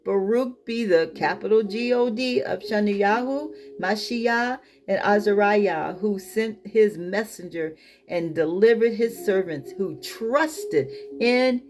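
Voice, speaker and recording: A woman with a mid-pitched voice teaches from the Bible, moving between reading verses and plain-spoken commentary. Her asides are colloquial and emphatic. Music plays along with her voice. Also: a little mellow. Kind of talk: scripture reading with informal commentary.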